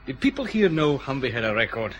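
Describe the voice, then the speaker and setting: An actor playing a dry, probing detective chief inspector in a radio drama. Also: male voice, mid-range voice, big pitch swings, fairly quick, fairly bright tone.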